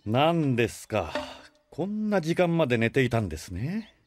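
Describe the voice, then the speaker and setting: A man playing a gentle, worried older brother in an audio drama, lecturing with formal politeness. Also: mid-range voice, big pitch swings, moderate pace, no room sound. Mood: mild, approving. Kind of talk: Japanese audio drama acting.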